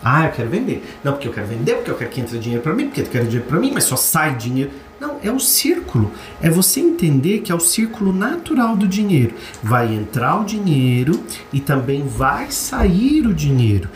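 A man with a Brazilian Portuguese accent hosting a casual motivational talk. He jumps up in pitch when mimicking complainers and searches for words with chatty fillers. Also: wildly swooping pitch, brisk, few pauses, soft background music. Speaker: host. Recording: roomy echo with faint background noise.

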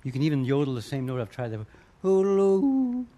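A man's voice: mid-range voice, steady tone, rapid-fire, dark tone. A man, a singer and yodeler, chatting casually in an interview and explaining his technique, breaking into short yodel demonstrations.

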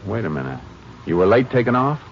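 A man playing a calm, terse Texas Ranger who questions and narrates in a 1950s American radio drama. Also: on the low side, quick pace, dull audio, slight background noise. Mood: businesslike. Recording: band-limited vintage radio recording with music.

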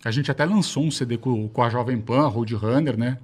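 Fast-talking slangy São Paulo man. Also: medium pitch, breathy edge. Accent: São Paulo Portuguese. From Brazil. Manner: rambling, slangy, swears often. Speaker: guest. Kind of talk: casual storytelling chat.

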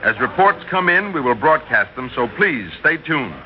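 An actor playing a confident radio announcer in a vintage radio drama. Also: male voice, on the high side, very animated, moderate pace. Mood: announcing. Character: radio announcer reporting a space message, man. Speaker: radio broadcaster. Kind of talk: 1960s radio drama acting. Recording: dull old radio recording with hiss.

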